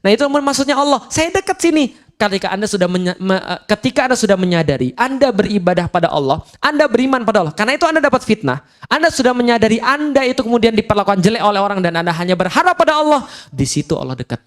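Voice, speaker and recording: A man giving a casual Islamic lecture, telling stories with jokes, acting out dialogue and reciting Quran verses slowly. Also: sits high. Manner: animated storytelling, acts out dialogue with jokes. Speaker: preacher.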